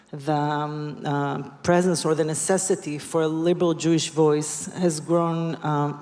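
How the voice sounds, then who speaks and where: A woman speaking earnestly on a conference panel, often pausing with ums. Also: deep voice, warm tone. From Israel. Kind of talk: panel discussion answer. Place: large conference hall. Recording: long hall reverb.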